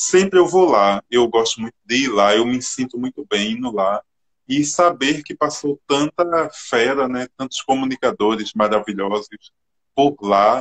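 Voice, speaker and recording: At a fairly slow pace, a normal speaking voice carries lively intonation, with a dry, close sound and no echo. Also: man, medium pitch for a man. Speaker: live host, presenter of the channel. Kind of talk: casual live-stream hosting, talking to guest and audience. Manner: upbeat, friendly.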